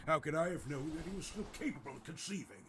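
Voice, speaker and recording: An actor playing a cold, mocking middle-aged male villain in a video game cutscene, with a smug, drawn-out delivery. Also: a little high, expressive, noisy background, natural voice.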